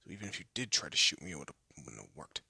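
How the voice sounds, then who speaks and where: A hardened ex-gangster husband, protective and blunt, as a man acts him out in an audio roleplay. His voice is deep and gravelly, mostly a hushed whisper with a sharp, tense edge. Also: big pitch swings, fast, dry recording, heavily acted. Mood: somber. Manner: low threatening whisper. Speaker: voice actor.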